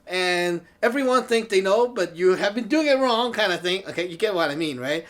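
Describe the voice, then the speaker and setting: This man's voice is high and a little bright, with lively intonation and a fairly quick pace. He's a chatty Taoist teacher and show host from Hong Kong, a native Cantonese speaker, delivering a casual talk show monologue straight to camera while laughing often and repeatedly asking "okay?".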